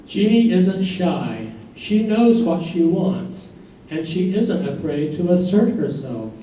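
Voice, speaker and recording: A man's voice: high voice, big pitch swings, slow pace, mellow, heavily acted. A man playing a matter-of-fact chorus narrator in a staged play reading. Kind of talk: scripted narration. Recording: very echoey room, distant mic, faint noise.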